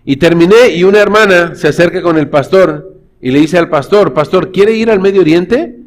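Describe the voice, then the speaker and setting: With slight background noise, a man whose voice sits high preaches at a moderate pace. He's a pastor in church, weaving stories into his sermon and calling his listeners brothers.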